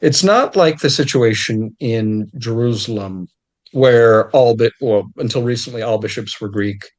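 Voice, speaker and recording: A man's voice: mid-range voice, measured pace. A man speaking as a historian guest, explaining in detail in a conversational, scholarly way and often restarting his phrases.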